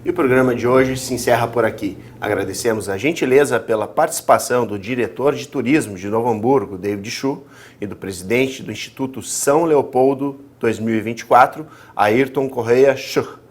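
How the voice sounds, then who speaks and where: A man's voice: mid-range voice, moderate pace. Guy hosting a local tv talk show, polite and formal, keeps saying yes, right. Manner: polite, formal wrap-up, frequent affirmations. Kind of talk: studio talk show interview. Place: legislative TV studio.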